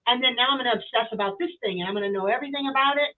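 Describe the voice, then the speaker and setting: A woman's voice: a little high, rapid-fire. Chatty woman on a tinny call line. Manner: chatty storyteller, acts out quotes. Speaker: guest tarot reader. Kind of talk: casual livestream chat. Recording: tinny phone-like call audio.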